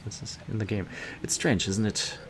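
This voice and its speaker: A man's voice: lowish voice, fairly even intonation, normal speed, background noise. A man streaming a video game, giving commentary and murmured asides as he reads along. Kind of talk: gameplay commentary, reading game text aloud.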